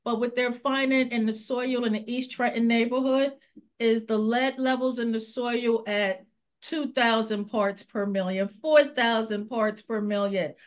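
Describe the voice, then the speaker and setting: A woman's voice: fairly high pitch, fairly even intonation. A woman community organizer talking earnestly on a video call, listing problems one by one. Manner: earnest, listing issues deliberately. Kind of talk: interview talk.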